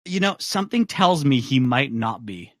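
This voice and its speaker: A man's voice: medium pitch, very animated, normal speed, no room sound. Man with dry wry interjections. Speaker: podcast co-host. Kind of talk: casual podcast chat.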